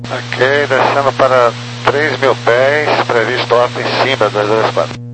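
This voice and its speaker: A man's voice: mid-range voice, steady tone, measured pace. A man working as an airline pilot, making clipped radio calls to air traffic control from his cockpit headset, with slight hesitations. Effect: pilot heard over cockpit radio headset. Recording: loud static radio transmission.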